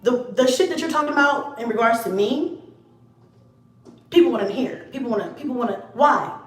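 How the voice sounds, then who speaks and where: Young woman, high-pitched, confrontational vlog rant, heavy swearing, echoey room. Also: lively intonation, brisk. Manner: blunt, profane, addresses rival directly. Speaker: YouTuber. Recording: echoey room, mic at a distance.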